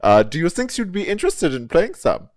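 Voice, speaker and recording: A man's voice: a little high, wildly swooping pitch, a little fast, dry recording, voice pushed up. A man voicing a pompous, giggly mandatory fun commissioner with a put-on German-like accent, running a party game. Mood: giddy showman. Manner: exaggerated, giggly, fumbling showman.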